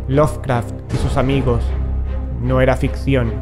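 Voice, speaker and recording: A man playing a grave, determined occult investigator in a horror audio drama, speaking in a solemn, measured way. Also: medium pitch, little pitch movement, over music, close to an everyday voice. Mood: grave, ominous.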